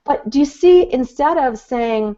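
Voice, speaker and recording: A woman relationship coach giving a gentle, earnest teaching talk with examples. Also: sits high, lively intonation, measured pace. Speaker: guest expert, relationship coach. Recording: dull lo-fi audio.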